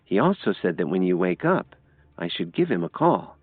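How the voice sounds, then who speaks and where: A man voicing a shy, anxious young woman in an audiobook, talking softly and hesitantly. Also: sits low, sing-song, normal speed, no room sound. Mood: worried. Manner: soft, hesitant and worried. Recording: dry, tinny phone-like sound.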